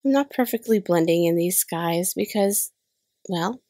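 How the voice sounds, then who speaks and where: Nursing a cold that makes her a bit nasal, a woman in her thirties who hosts a card-making channel talks casually through a separately recorded crafting voice-over, poking fun at her slip-ups. Her lowish voice is mellow and measured, in a dry, studio-quality recording.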